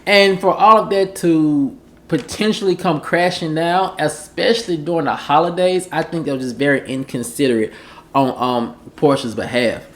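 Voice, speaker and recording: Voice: medium pitch, steady tone, normal speed, fairly bright tone. A gossip show host giving opinionated celebrity commentary in a conversational way with emphatic phrasing. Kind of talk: celebrity gossip commentary, part read, part off the cuff.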